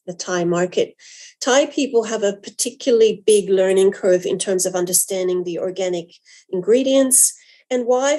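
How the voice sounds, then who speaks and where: Mellow-voiced woman pitching products. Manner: earnest, emphatic repetitions. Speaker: business owner pitching to sales agents. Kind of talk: product presentation.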